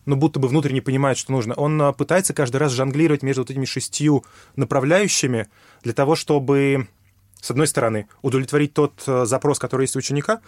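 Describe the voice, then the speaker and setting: Fast-talking man explaining, dry sound. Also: medium pitch, darkish tone, dry recording. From Russia. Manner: fast, thinking aloud with many fillers and restarts. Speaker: guest, English teacher. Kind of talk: explanatory conversation.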